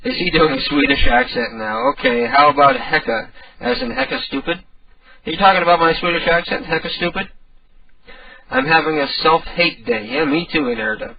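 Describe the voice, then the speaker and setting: A man hosting a prank call show, rambling in a casual, sardonic way with a gravelly, creaky voice. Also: high-pitched, very animated, brisk. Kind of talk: casual live radio chat. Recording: dull band-limited radio, distant.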